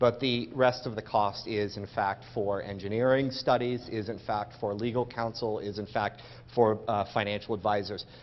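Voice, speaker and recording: A man talks at a moderate pace and a medium pitch, with hardly any pauses. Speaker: township official. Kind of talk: public meeting Q&A. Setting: township board meeting with audience. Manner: loud; animated.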